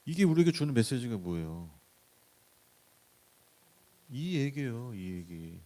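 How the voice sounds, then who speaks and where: A male pastor giving a conversational Bible-study sermon, swinging from loud emphatic lines to soft hushed ones, with chuckles and frank asides. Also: mid-range voice, very animated, a little slow. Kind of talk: Wednesday Bible exposition sermon. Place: church.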